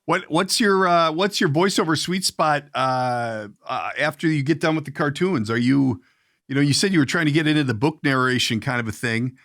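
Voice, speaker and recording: A man hosting a casual podcast interview, talking in a halting, rambling, easygoing way. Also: a little high, fairly bright tone, no room sound, clean studio sound. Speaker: podcast host.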